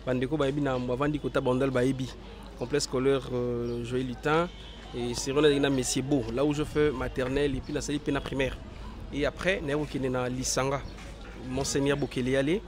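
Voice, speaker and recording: A young man from Congo with a hoarse voice from a cold, answering interview questions outdoors in a halting, filler-heavy way. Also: mid-range voice, flat delivery. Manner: hesitant, many fillers and restarts. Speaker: interview guest, actor. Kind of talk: casual interview, mixing French and Lingala.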